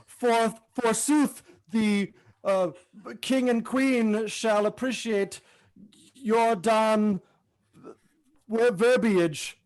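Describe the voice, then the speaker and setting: A man's voice: high voice, drawn-out words, a little mellow, poor audio. A man voicing a pompous, timid royal courtier in improvised mock-Shakespearean comedy. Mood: pompous, alarmed.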